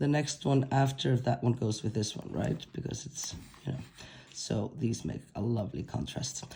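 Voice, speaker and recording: A woman speaks with a dark, mellow tone and a somewhat breathy quality. Her pitch varies in an ordinary way. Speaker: crochet instructor. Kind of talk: tutorial. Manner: slow.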